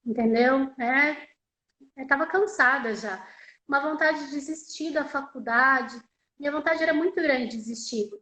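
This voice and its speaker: Live interpretation of a deaf signer's personal story comes through a woman speaking in the first person, with many tag questions and repeated phrases in a conversational style. Her voice is high, pushed, and bright at a moderate pace, recorded roughly in an echoey room.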